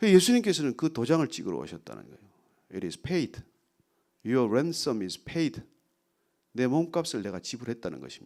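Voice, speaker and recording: A man's voice shows vocal fry and very wide pitch swings, with long, frequent pauses. The recording is very clean with a silent background. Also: medium pitch for a man, moderate pace, big swings in loudness. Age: 60s. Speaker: pastor. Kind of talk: sermon.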